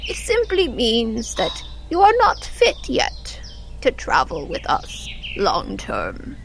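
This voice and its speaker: A woman's voice: a little high, huge pitch swings, takes it slowly, creaky, slight background noise, full character voice. A woman voicing a stern, stuffy intergalactic turtle professor who lectures solemnly in an audio-drama tabletop game, with music behind. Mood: patient, admonishing. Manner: stick-in-the-mud, solemn lecturing.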